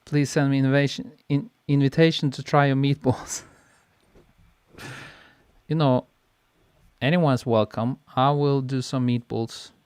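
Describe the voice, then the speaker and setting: A photographer hosting a live stream, chatting casually and reading out viewer comments, relaxed and quick to laugh, speaking into a podcast mic. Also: male voice, medium pitch, clear, resonant tone, dry recording. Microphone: podcast mic on a boom arm.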